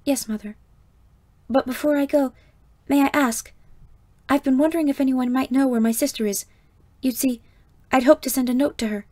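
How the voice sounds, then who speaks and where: A woman's voice: high voice, fairly even intonation, moderate pace, pauses often, mellow, no echo, pitched above the performer's own voice. A woman reading an audiobook, voicing a polite, timid young servant girl. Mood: pleading. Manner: polite, eager to please.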